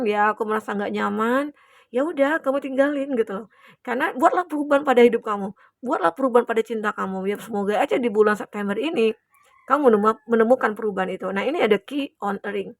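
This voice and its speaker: A woman's voice: a little high, creaky, no echo, studio quality. A young adult woman giving a chatty, reassuring collective tarot reading to her viewers, with many fillers. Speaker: tarot reader.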